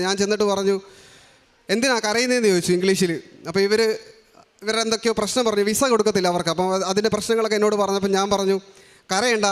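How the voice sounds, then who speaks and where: A young man from Kerala giving an earnest, rushed personal religious testimony, often restarting his sentences. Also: sits high. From Kerala, India. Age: young adult. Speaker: testimony giver.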